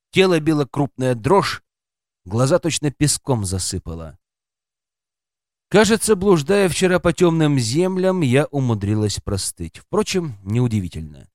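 A man's voice: on the high side, darkish tone, no echo, clean studio sound. A man reading an audiobook aloud as scripted first-person narration, expressively voicing a woman narrator's inner thoughts.

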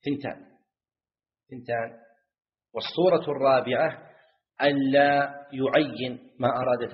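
Scholar repeating points in class. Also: male voice, mid-range voice. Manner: repeats key phrases, quizzes students. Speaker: Islamic scholar teaching jurisprudence. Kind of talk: classroom lesson. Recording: dull lo-fi lecture recording.

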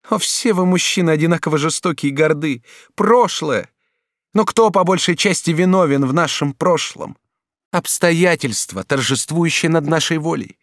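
An ardent, jealous court duchess, put on by a male audiobook reader, who pleads and scolds by turns. The voice sits noticeably higher than a man's usual speech. The recording is close and dry, with no room sound. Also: dry recording, lightly acted. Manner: pleading, then threatening. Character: passionate jealous duchess, the king's favourite. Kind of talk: audiobook character reading.

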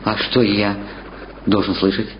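A man's voice: on the low side, flat delivery, a little slow, slight background noise, lightly acted. A man voicing a young, trusting son dung beetle in an eager, childlike way. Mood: curious. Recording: dull roomy archival radio recording with music.

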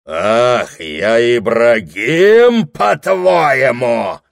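A man's voice: on the low side, animated, fairly bright tone. A man doing a raging drunk deacon who bellows. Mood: threatening. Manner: bellowing, drawn-out threats. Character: drunken brawling male deacon, huge and furious.

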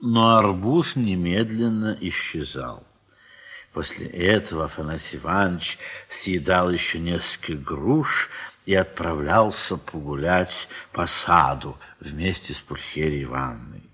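A man narrating a literary audio play in a measured storytelling manner. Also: low-pitched, bright, forceful tone, husky.

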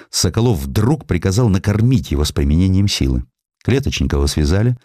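A man narrating history from a script in a dramatic, deliberate way, drawing out key words for emphasis. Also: low-pitched, a little mellow, no echo, studio quality. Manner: deliberate, theatrical, with drawn-out emphasis. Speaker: audiobook narrator.

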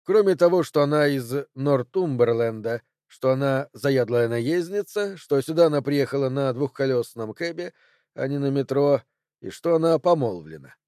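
Brief: self-assured detective, crisp and precise, mellow tone, dry close sound, as a male narrator puts him on. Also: medium pitch, lively intonation, normal speed, no echo, lightly acted. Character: sharp, confident male detective Holmes. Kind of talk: audiobook character voice.

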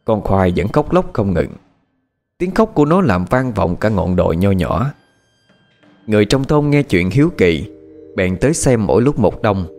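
A man with a low voice narrates a dramatic story. His delivery is measured but rises and falls widely, with soft music playing behind. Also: very animated. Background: faint background music.

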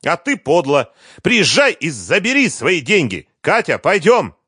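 A man's voice: a little high, huge pitch swings, unhurried, bright, forceful tone, slightly rough, dry recording, clean studio sound, pitched above the performer's own voice, exaggerated voice. A male audiobook reader voicing a furious, grasping ex-wife who screams accusations. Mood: screaming fury. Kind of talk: audiobook character voice.

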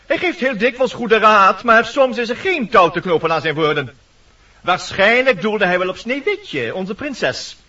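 A man's voice: high-pitched, very animated, measured pace, sharp tone, heavily acted. A man voicing a talkative, fussy woodpecker who narrates theatrically in a radio play. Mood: chatty, confiding. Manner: theatrical, addressing audience, fussy. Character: talkative, lively woodpecker, protective leader and narrator. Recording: dull, distant vintage radio recording.

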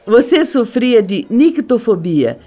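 A woman's voice: fairly high pitch, big pitch swings, slow, warm tone, soft background music, exaggerated voice. A woman with a Brazilian accent playing a cold, scolding middle-aged mother in a radio soap, condescending and theatrical. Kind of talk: radio soap opera acting.

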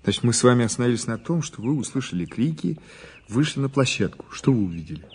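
An actor playing a middle-aged investigator in an audio drama, politely coaxing and gently ironic as he questions, echoing words thoughtfully. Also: mid-range voice, very animated, quick pace, husky. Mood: insistent. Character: probing, gently ironic male prosecutor's investigator. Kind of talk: naturalistic radio drama dialogue.

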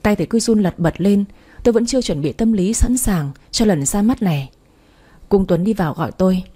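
Warm, husky woman narrating a story. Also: mid-range voice, a little fast. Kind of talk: first-person story narration.

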